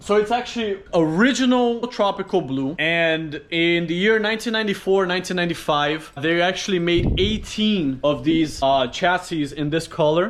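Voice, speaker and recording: A high-pitched man with a Portuguese accent, moderate pace, hardly any pauses and ordinary pitch variation, over noticeable background noise. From Brazil, moved to New York at nine. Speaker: car YouTuber. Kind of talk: casual vlog tour. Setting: garage.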